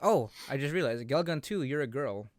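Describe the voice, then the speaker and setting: A man hosting a casual video game chat, explaining things in an informal, halting way. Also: medium pitch, lively intonation, dry recording, studio quality. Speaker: podcast host.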